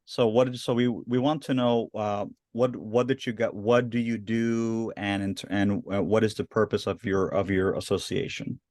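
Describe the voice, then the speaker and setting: A man's voice: lowish voice, fairly even intonation, normal speed, few pauses, darkish tone, no echo, clean studio sound. A man hosting an interview podcast, speaking with enthusiasm and rambling through restarts. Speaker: host, founder of the organization. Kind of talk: casual interview.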